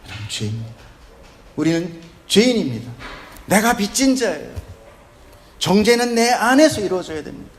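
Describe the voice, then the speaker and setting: A man's voice: high voice, a little hiss or hum. A man preaching a sermon as pastor, emphatic and often putting questions to the congregation. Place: church service in a hospital.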